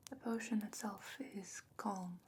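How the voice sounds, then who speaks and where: A woman playing a calm, knowing sorceress in a fantasy ASMR roleplay, speaking in a hushed, breathy, deliberate whisper. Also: mid-range voice. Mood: quietly advising.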